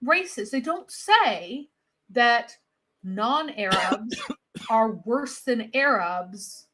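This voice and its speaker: A woman's voice: on the high side, animated, pushed and bright. A woman co-hosting a commentary show makes her case in an emphatic, argumentative way. She presses each point hard and comes back to it. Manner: emphatic, quick to argue. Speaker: co-host. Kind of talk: critical commentary chat.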